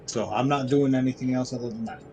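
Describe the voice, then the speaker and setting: A man's voice: mid-range voice, fairly even intonation, fast, dark tone, slight background noise. A man casually describing his character's actions as a player in a tabletop game.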